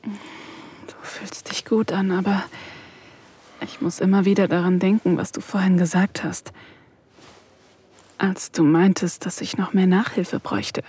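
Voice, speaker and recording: A breathy, whispering young student. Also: female voice, mid-range voice, steady tone, measured pace, pauses often. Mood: intimate. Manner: soft, breathy, often whispered. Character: nervous, yearning young female student. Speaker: first-person narrator and student. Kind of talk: intimate first-person audio drama narration.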